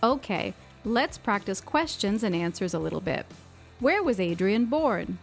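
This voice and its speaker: A woman co-hosting an English-learning podcast, explaining things in a clear, friendly way. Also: medium pitch, sing-song, a little slow, soft background music. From United States. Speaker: podcast co-host.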